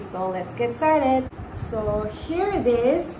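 A woman's high pitch against noticeable background noise. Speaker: food vlogger. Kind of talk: casual vlog chat. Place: home room. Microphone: camera far.

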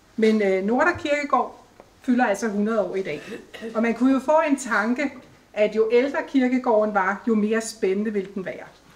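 A woman with a plain, everyday voice talks at a fairly high pitch and a fairly slow pace. Her pitch varies in an ordinary way. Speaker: museum director. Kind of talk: speech. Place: hall. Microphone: lapel.

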